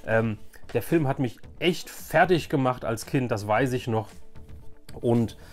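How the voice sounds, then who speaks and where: A man's voice: mid-range voice, a little slow, faint music behind. A man in his forties hosting a casual, nostalgic show-and-tell, chatty and repeating words for emphasis. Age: 40s. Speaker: YouTube host.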